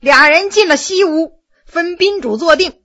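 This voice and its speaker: A woman telling a historical story in expressive narration. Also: very high voice, a little slow.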